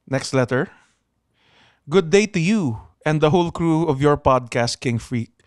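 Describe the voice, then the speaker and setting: A man's voice: on the high side, expressive, takes it slowly, a little mellow, no echo, studio quality. A young man with a Pangasinan accent hosting a comedy podcast, reading listener letters with a lot of swearing and laughter. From Philippines. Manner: swears freely, laughs often, code-switches. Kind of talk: casual comedic podcast chat.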